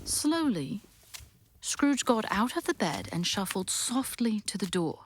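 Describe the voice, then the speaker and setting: A woman narrating a scripted audio drama, expressive and deliberate in her storytelling. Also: mid-range voice, slight background noise.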